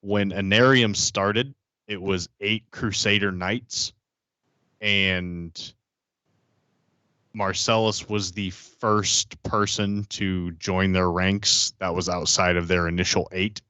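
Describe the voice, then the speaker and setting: A man's voice: low-pitched, fairly even intonation, slow pace, bright, forceful tone, clean tone, no echo. A man chatting and explaining things casually on a tabletop game podcast. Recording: slightly dull, dry close sound.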